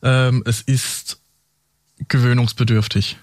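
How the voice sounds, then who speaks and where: A man's voice: medium pitch, level tone, takes it slowly, darkish tone, no room sound. A man who serves as a police officer, describing his work in a matter-of-fact, practical way. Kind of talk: interview answers.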